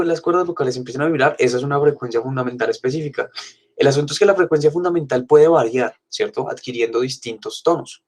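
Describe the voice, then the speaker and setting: A man teaching a university phonetics class, explaining casually and often checking in with his students. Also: mid-range voice. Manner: casual explanatory, many fillers like "digamos" and "¿cierto?". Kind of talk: university online class lecture.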